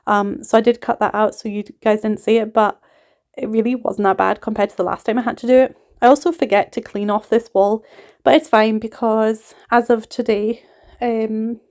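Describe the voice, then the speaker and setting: A woman's voice: on the high side, darkish tone. A woman in her thirties with a mixed northeast English and Scottish accent, chatting casually in a voiceover for her cleaning vlog, rambling and laughing often. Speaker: cleaning vlogger.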